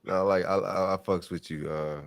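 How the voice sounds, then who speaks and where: A man's voice: sits low, steady tone, normal speed, vocal fry. A man co-hosting a podcast in casual group chat, teasing and laughing in loose slang. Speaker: podcast co-host.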